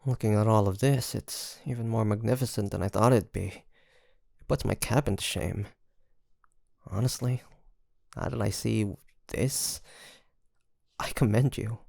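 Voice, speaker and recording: A performer playing a teasing, easily flustered pirate captain in an intimate ASMR roleplay, speaking haltingly with sighs and soft laughs. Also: medium pitch, vocal fry, no room sound, studio quality. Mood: relieved, admiring.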